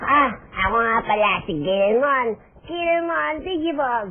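A man puts on a cartoonish character voice at an extremely high pitch. He speaks at a very slow pace.

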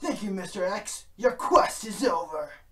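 The speaker uses a put-on character voice, fairly high in pitch, at a fairly slow pace.

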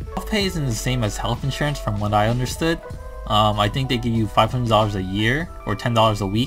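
Moderately paced male speech over faint background music. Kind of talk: casual vlog chat. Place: home room. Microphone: webcam.

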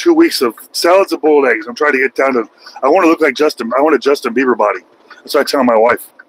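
A man with an American accent talks at a very fast pace with long, frequent pauses and ordinary pitch variation, in a dry recording with no echo and light background noise. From US West (California). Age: 40s. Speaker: truck driver. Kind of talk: casual vlog chat. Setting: in a truck cab. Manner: jokey, laughs often. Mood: joking, self-mocking. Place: car.

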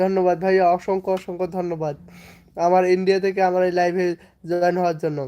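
Monotone, flat intonation in a dark, mellow tone, on a very clean recording with a silent background. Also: man, high pitch for a man. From Bangladesh, Rangpur. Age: young. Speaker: YouTuber and online earning coach. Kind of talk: live stream chat. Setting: indoors under a mosquito net.

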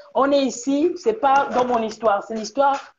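Light background noise runs under the recording. A woman is speaking. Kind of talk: testimony. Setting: online live stream. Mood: defiant, indignant. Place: home room. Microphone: video call.

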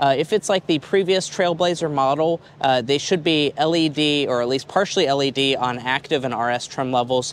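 The pace is moderate, with ordinary pitch variation. The sound is dry, with no echo. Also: man. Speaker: car reviewer. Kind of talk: walkaround product review. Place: hall. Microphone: lapel.

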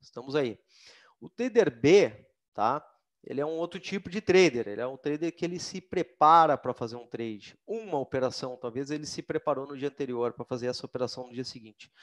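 Against a quiet background, a man talks at a fairly quick pace and a fairly high pitch, with big swings in loudness. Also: lively intonation, dry, close sound with no echo. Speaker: professional trader. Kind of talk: live webinar presentation. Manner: casual, animated.

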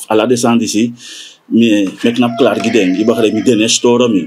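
A man is speaking at a moderate pace. Light background noise can be heard. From Suriname. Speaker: commentator on politics. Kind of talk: interview. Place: home room.

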